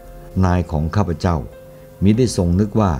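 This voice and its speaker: A man reading the part of a female lady-in-waiting who speaks evenly and calmly, without putting on a woman's voice. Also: low-pitched, soft background music, natural voice. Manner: even, plain and measured.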